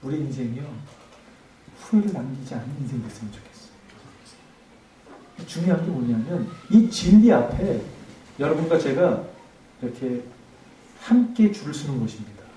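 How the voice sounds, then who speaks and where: A man preaching a revival sermon as pastor, impassioned, swinging between emphatic peaks and hushed tones. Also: mid-range voice, expressive, normal speed, long pauses. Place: church sanctuary. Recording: echoey church hall, mic at a distance, faint noise.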